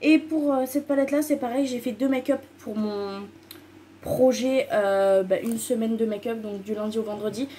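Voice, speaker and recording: A woman talks straight to her viewers in a loose, rambling beauty-vlog manner. Her voice sits a little high but has a soft, mellow tone. She piles up repeated intensifiers with easy, chatty enthusiasm. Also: moderate pace, slight background noise. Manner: loose and rambling, many fillers. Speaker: beauty vlogger. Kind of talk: casual chatty haul video.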